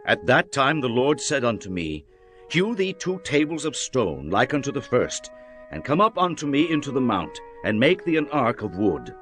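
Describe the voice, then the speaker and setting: A man playing a solemn prophet exhorting his people in a measured, declamatory reading of dramatized scripture. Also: mid-range voice, very animated, fairly bright tone. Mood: solemn recounting. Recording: music under the voice. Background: music.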